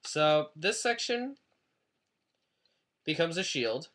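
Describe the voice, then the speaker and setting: Bright-voiced man rambling over webcam. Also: fairly high pitch, sing-song, slow pace. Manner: rambling, chatty, self-deprecating. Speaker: toy reviewer. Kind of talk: casual webcam toy review. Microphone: webcam mic.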